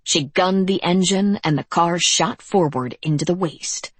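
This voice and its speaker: Low husky woman narrating. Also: a little slow, no room sound. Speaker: audiobook narrator. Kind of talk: scripted narration.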